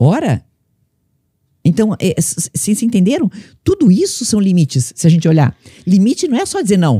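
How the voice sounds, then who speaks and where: A woman with a medium-pitched, somewhat breathy voice and a dark, mellow tone speaks at a moderate pace, her pitch swinging very widely. Long, frequent pauses break up her speech, and the sound is dry and close with no echo. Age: 60s. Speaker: psychologist and lawyer. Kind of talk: podcast interview.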